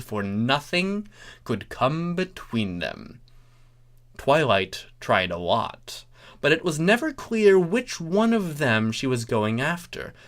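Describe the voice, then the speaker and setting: Casting: comic story reader, animated pitch, theatrical and mock-pompous, slips into dry asides to the listener. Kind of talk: comic dramatic fan fiction reading with asides.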